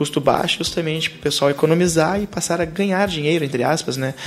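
The intonation holds fairly even. Behind the voice, there's noticeable background noise. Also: man. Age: 20s. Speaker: startup founder. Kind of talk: radio interview. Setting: studio.

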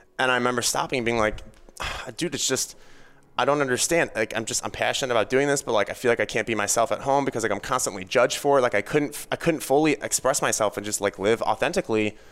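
With an American accent, a man talks at a very fast pace, his medium pitch showing ordinary variation. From Chicago suburbs, US Midwest. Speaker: fitness and nutrition coach. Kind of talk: casual interview. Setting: hotel room.

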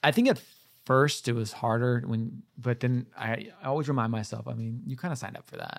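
A man's plain, everyday voice, medium-pitched and fairly quick, with fairly even intonation and big swings in loudness. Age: 20s. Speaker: morning news anchor. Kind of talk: casual chat.

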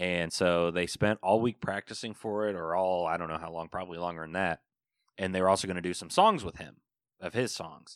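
A man with an American accent speaks at a fairly quick pace in a very deep, low voice, his intonation fairly even and the sound dry and close with no echo. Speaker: true crime podcast co-host. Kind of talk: casual chat with storytelling and reading a letter aloud. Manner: joking, profane.

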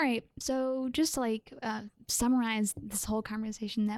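At a moderate pace, a woman speaks in a fairly high, somewhat breathy voice with fairly even intonation and a dry, close sound with no echo. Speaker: podcast host. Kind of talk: casual interview chat.

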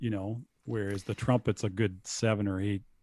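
A dark, mellow, somewhat breathy voice with fairly even intonation and a dry, close sound with no echo. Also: man. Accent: Canadian. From Canada. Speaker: jazz musician. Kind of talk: casual interview. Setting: video call.

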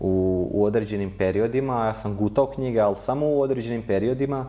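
Using an unremarkable speaking voice, a man speaks at a moderate pace in a fairly low pitch with fairly even intonation. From Croatia, Zagorje. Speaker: singer-songwriter and English teacher. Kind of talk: casual chat. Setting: studio.

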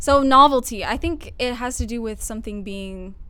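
Bright and sharp in tone, a woman's voice sits at a fairly high pitch. She keeps a moderate pace. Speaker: podcast host. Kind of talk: casual chat. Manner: informal, laid back.

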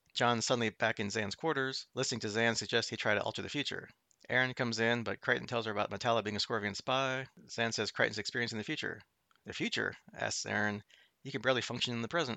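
Rattling along at a very fast pace, a man speaks at medium pitch with fairly even intonation. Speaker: podcast host and co-host. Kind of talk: casual chat podcast, recap and banter. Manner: fast talker.

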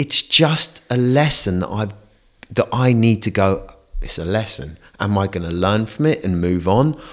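A man with an unremarkable speaking voice and fairly low pitch talks at a fairly slow pace with lively intonation. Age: 40s. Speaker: men's retreat leader. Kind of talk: casual chat.

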